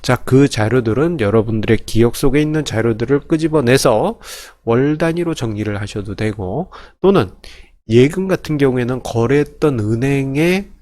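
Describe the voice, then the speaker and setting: A man's voice: mid-range voice, expressive, moderate pace, darkish tone, no echo. Man giving a dry, close-sounding tutorial. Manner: conversational, polite explaining with frequent self-corrections. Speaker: personal finance instructor and presenter. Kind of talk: informal spreadsheet tutorial, explaining step by step.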